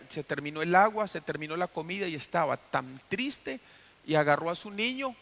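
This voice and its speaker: Gravelly pastor preaching. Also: male voice, on the high side, a bit bright. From Costa Rica. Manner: storytelling preacher who asks the congregation questions. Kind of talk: sermon. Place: church.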